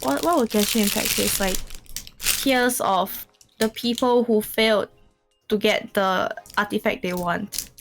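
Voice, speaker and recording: A woman's voice: mid-range voice, unhurried, vocal fry, over music, poor audio. A woman chatting casually on a livestream, often restarting her sentences and giggling. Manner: stammering restarts, frequent giggles. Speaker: streamer co-host.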